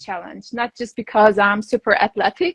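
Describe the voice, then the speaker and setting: The woman speaks with a Turkish accent in a dry, close sound with no echo. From Turkey, near Syrian border. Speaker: beauty pageant contestant. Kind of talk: interview. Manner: halting, many fillers.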